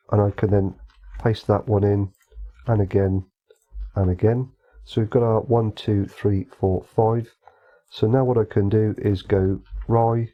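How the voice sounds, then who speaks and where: A man calmly walking through a software modding tutorial, explaining each step methodically. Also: fairly low pitch, muffled recording. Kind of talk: screen-recorded tutorial walkthrough.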